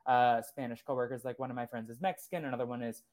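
Young man, podcast host, mid-pitched voice, chatty, upbeat, many fillers. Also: steady tone, fast talker, a little mellow. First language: Portuguese. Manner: enthusiastic, lots of fillers like "like" and "uh". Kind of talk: casual interview chat.

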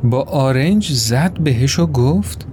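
A man narrating a story in an expressive, acted-out way. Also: medium pitch, a little hiss or hum. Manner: expressive, voices characters.

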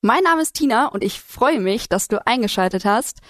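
A woman hosts a podcast interview in a casual, conversational style. Her voice is fairly high, and the sound is dry with little room in it. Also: animated, moderate pace, a bit bright, no room sound. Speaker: podcast host.

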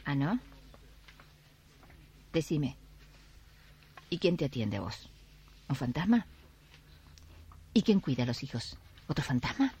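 Radio drama role: Argentine wife and local activist, fiery, emphatic, lowish voice with wide swings. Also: female voice, sing-song, slow, pauses often, dark tone, breathy edge, full character voice. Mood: indignant, defiant. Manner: emphatic, reproachful, with rhetorical questions. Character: weary, fiery wife and neighbourhood water activist. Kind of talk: Spanish-language radio drama acting.

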